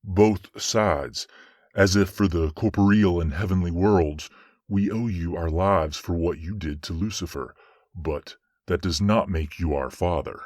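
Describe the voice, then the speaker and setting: Man acting as low-voiced, commanding judge angel. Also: a little mellow, no room sound, clean studio sound. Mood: firm, fair. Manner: measured, commanding, formal. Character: stern but fair male judging angel, authoritative. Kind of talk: audio drama acting.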